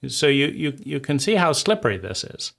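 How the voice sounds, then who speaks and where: This host's slightly high, very animated voice has a creaky texture and a fairly bright tone, moving at a moderate pace. He's on his channel casually critiquing a book's argument, restarting himself and leaning on a repeated rhetorical "right?".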